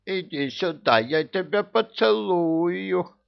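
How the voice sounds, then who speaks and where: A man voicing a drunk, boastful immortal male villain in a storybook reading, with a high, excited, bossy delivery. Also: slow, gravelly, dull audio, full character voice. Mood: drunken glee. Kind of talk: audiobook character voice.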